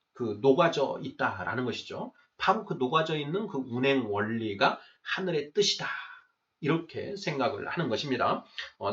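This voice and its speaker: A man's voice: mid-range voice, a bit bright. A man giving an explanatory lecture in a question-and-answer format, stressing and repeating key phrases in a didactic way. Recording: distant mic, dull muffled sound.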